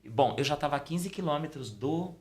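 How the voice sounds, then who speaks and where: A middle-aged man, a podcast guest telling a personal story casually and acting out the dialogue. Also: moderate pace. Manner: animated storytelling, acting out dialogue with pitch swings. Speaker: podcast guest, Umbanda priest.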